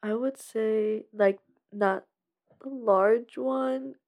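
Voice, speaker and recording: A young adult woman hosting a chatty podcast in an informal, giggly and halting way. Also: a little high, lo-fi sound. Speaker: podcast host. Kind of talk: casual chat.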